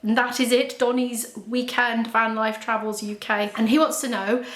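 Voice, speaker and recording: A woman's voice: on the high side, level tone, moderate pace, a bit bright, roomy sound. Candid chatty woman in her forties. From Wales. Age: 40s. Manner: chatty and candid, with frequent laughs and restarts. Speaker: YouTuber answering viewer questions. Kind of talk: casual chat.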